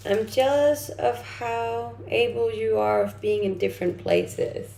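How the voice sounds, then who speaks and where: A young native Danish woman runs an informal livestream, chatting as she reads and responds to comments. Her fairly high, warm voice has vocal fry and moves a little slowly. There's a roomy echo and faint background noise.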